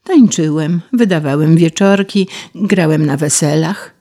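A woman's voice: low-pitched, measured pace, mellow. A woman voicing a weak, starving male grasshopper who begs for help in a plaintive way. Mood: pleading.

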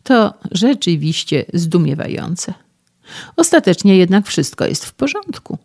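Man reading a lecturing, patronizing doctor, dark gravelly tone, audiobook. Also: high voice, big pitch swings, measured pace, voice pushed up, exaggerated voice. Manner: sermonizing, patronizing. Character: self-assured, lecturing older male physician.

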